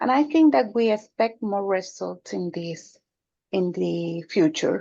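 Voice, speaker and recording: A woman speaks with a Spanish accent and lively intonation. Her tone is dark and mellow. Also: medium pitch for a woman, fairly slow pace. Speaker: doctor, health program official. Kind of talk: panel discussion. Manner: halting.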